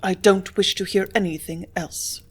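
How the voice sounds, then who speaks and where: A woman reading the part of a composed young office clerk who answers quietly, firmly and tartly. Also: mid-range voice, steady tone, normal speed, breathy edge, lightly acted. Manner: quiet, firm, tart.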